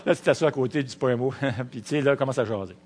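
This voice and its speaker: A middle-aged man with a Quebec French accent, preaching a sermon, weaving in personal stories and slowing down to stress key words. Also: mid-range voice, darkish tone.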